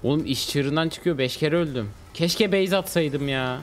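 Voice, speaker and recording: A young man streaming a game, chatting with a teammate in an exasperated, animated, slangy way. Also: a little high, a little slow, slight background noise. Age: young adult. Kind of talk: live gameplay commentary and casual chat with teammate. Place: indoor gaming room. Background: game music and sounds.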